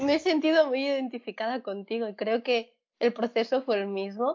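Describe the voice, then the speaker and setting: A woman with a normal speaking voice, a fairly high pitch and ordinary pitch variation, at a fairly slow pace. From Catalonia, Spain. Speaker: illustrator. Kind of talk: casual chat.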